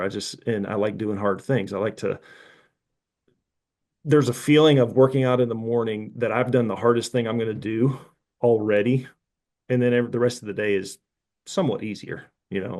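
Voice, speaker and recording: A man in his fifties with a somewhat low voice speaks as a podcast guest. He is candid and loose, circling his point with asides and self-corrections. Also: darkish tone. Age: 50s. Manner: frank, rambling, candid. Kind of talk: casual interview talk.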